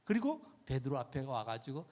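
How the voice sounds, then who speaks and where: A man's voice: mid-range voice, wildly swooping pitch, normal speed, darkish tone. A man preaching a sermon as pastor in a church, retelling stories and acting out the voices in them. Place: church sanctuary.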